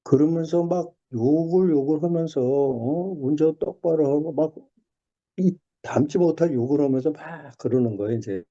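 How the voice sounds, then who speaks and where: Over a video call with dull lo-fi audio, a church member shares a personal testimony in a dark, slightly high voice at a moderate pace. He tells the story animatedly, with many restarts and fillers.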